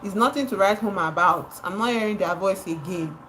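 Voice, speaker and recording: A Nigerian woman talks on a live stream at an ordinary pitch, sounding impassioned and driving her points home through repetition. She stops now and then to greet people in the chat. Faint noise hangs behind her voice. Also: a little fast, a bit bright, poor audio. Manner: impassioned, repeats words for emphasis, greets chat viewers. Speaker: livestreamer.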